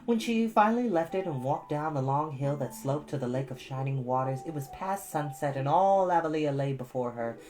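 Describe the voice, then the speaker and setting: A woman's voice: low-pitched, animated, moderate pace, hardly any pauses, mellow, soft background music. A woman narrating a storybook expressively as a storytime reader, with casual asides to listeners.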